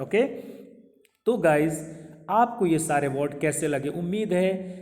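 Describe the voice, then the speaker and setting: A man teaching English pronunciation to viewers, repeating each word slowly and quizzing them with questions. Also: fairly high pitch, a little mellow. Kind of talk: pronunciation lesson to camera. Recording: long hall reverb.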